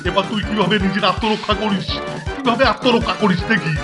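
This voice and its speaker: A man's voice: high-pitched, fast talker, natural voice. A man voicing a fussy, irate middle-aged hostel superintendent in a Bengali cartoon, blustering and repeating himself. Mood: furious. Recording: music behind the voice.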